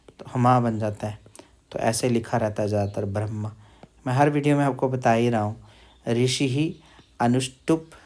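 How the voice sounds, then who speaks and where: His mid-range voice is a little mellow as he leads a step-by-step recitation class. The man repeats syllables slowly, asks questions while drilling pronunciation, and chants verses with drawn-out syllables.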